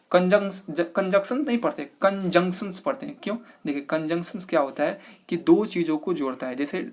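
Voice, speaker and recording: A young man with a fairly high voice, coaching students through exam questions. He works through each answer step by step, posing questions and answering them himself.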